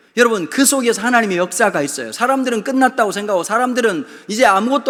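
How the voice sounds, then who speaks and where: A man's high-pitched, animated voice at a very fast pace, with lively intonation. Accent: Gyeongsang. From Korea, Gyeongsang region. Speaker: pastor. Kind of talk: sermon. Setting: church.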